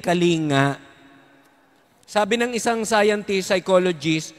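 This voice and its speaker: A man's voice: sits high, fairly bright tone. A middle-aged man from the Visayas, a priest giving a playful parish recollection talk, leading prayers and getting the audience to clap. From Visayas, Philippines. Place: church or parish hall. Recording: long hall reverb.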